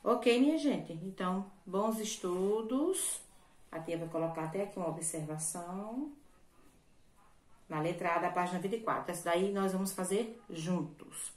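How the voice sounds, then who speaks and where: A woman's voice: on the low side, normal speed, darkish tone, echoey room. A woman teacher from Brazil, patiently explaining a lesson to children and often checking in with them. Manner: patient, repetitive, checks in with "certo?". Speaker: primary school teacher. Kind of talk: recorded remote lesson for children.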